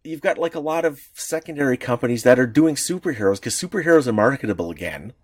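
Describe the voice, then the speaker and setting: A man's voice: medium pitch, animated, fast talker, no echo, studio quality. A man co-hosting a podcast, explaining comics history in a rambling, enthusiastic way with many restarts. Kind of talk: casual podcast chat.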